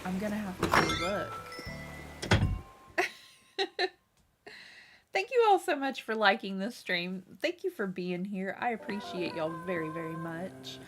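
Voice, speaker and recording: A woman chatting casually with her live-stream viewers as she plays, friendly and quick to laugh, her voice a little nasal from a cold. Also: medium pitch, lively intonation. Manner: chatty, friendly, thanks chat often, laughs a lot. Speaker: game streamer. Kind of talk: casual live-stream chat while playing. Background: loud game music.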